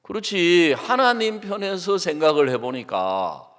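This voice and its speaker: A man preaching a sermon as a pastor, acting out his arguments and prayers, dropping to hushed asides and rising to loud outbursts, often asking the congregation short questions. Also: a little high, lively intonation, a little slow. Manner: dramatic, swings between soft asides and loud outbursts. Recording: long hall reverb.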